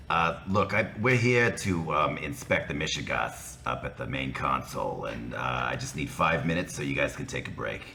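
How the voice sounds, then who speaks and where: Man, tabletop player, extremely deep, gravelly, coaxing, noisy background. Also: big pitch swings, moderate pace, bright, forceful tone. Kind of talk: in-character roleplay.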